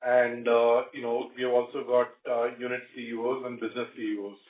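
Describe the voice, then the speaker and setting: A male company executive speaking haltingly on an earnings call, leaning on repeated filler phrases. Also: medium pitch, completely flat delivery. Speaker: company executive answering analysts. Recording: roomy, distant phone-like conference line.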